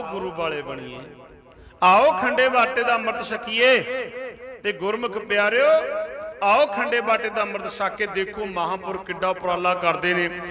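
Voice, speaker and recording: A man delivers an impassioned religious sermon, telling stories in rhythmic, repeated refrains. His voice sits high for a man. A large crowd can be heard around him at the gathering. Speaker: Sikh preacher.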